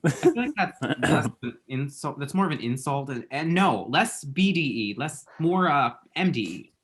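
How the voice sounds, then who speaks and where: A man's voice: fairly high pitch, very animated, normal speed, a bit bright. A man acting a flamboyant, chatty young gay man with a theatrical, sassy delivery in a comedy table read. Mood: flustered.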